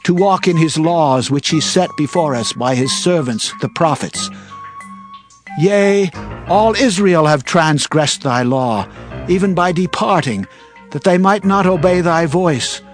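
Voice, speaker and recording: An actor playing a devout, humbly penitent prophet in dramatized scripture, with earnest, solemn, declamatory delivery. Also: male voice, a little high, unhurried, faint music behind, natural voice. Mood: penitent pleading.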